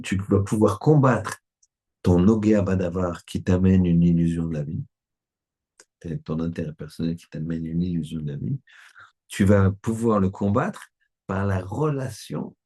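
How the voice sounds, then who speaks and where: A man's voice: low-pitched, gravelly, warm tone, slightly rough. A man, a rabbi, giving a Torah lesson in a conversational way, often checking that his listeners agree.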